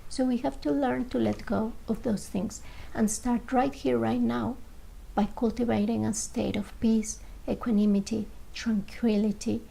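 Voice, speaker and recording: A woman guiding a meditation in a slow, gentle voice, pausing between short phrases. Her voice sits a little high but sounds warm and mellow. It has a gravelly, fry-touched edge, and at times she drops to a soft near-whisper. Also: steady tone, rough recording. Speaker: meditation guide. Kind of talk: guided meditation.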